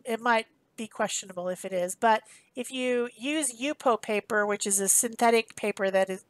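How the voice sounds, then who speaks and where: A woman's voice: on the high side, no room sound. Casual chatty woman, close dry sound. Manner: chatty, informal, self-correcting explanations. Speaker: craft tutorial host. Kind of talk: casual crafting demonstration voice-over.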